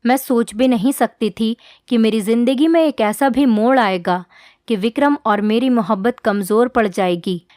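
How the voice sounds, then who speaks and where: Woman, first-person story narrator, fairly high pitch, dry close sound, steady earnest reading. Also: moderate pace, no echo.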